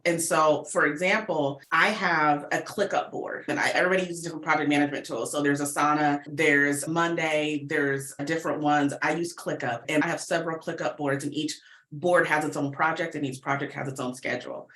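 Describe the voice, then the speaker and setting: A woman's voice: sits low, a bit bright, echoey room. An American woman speaking candidly and expressively as a guest in a casual interview, chatting about her creative work. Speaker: guest, audio fiction writer and producer.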